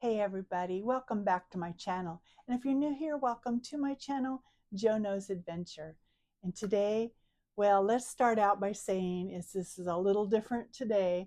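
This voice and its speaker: Speaking in a medium pitch with ordinary pitch variation, a woman has a dark, mellow tone. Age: 70s. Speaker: travel vlogger. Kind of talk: casual vlog monologue. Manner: slow; hesitant, many fillers.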